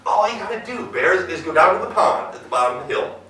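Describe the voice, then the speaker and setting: A crafty folktale fox, played by a male storyteller, coaxing and hedging as he talks. The voice is high and bright, ringing in a very echoey room. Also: very animated, fast, full character voice. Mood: sly, instructing. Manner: smooth-talking, hedging, persuasive. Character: sly, quick-thinking male fox trickster. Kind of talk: live folktale character voice. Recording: roomy live hall, distant mic.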